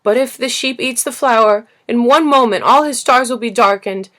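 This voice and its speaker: A woman's voice: on the high side, moderate pace, a bit bright, pitched above the performer's own voice, lightly acted. A woman voicing an earnest, passionate little boy prince in a storybook reading, speaking insistently and emphatically. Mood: passionate, hurt. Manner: insistent, emphatic, rhetorical questioning. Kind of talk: storybook character voice in audiobook reading.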